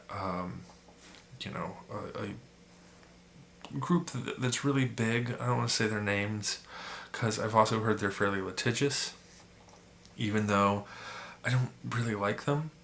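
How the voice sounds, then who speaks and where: A man with a low, gravelly voice that is raspy from being sick. The edge of his tone is bright and sharp. He rambles casually through his opinions with lots of restarts, and faint ambience sits behind him. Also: slow, a little hiss or hum. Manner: rambling, with many restarts and fillers. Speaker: photography YouTuber.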